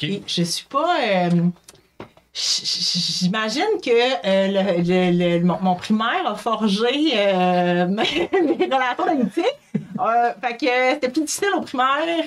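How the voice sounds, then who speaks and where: A woman at a fairly high pitch, very slow, with very wide pitch swings, very even loudness and noticeable background noise. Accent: Quebec. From Verdun, Montreal, Quebec. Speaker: special education worker. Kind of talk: podcast interview answer.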